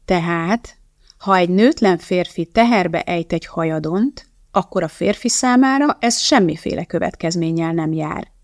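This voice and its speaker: A woman voicing a calm, unflinching woman scientist. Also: lowish voice, no room sound, clean studio sound, natural voice. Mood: calm and firm. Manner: calm, matter-of-fact. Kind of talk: audiobook reading.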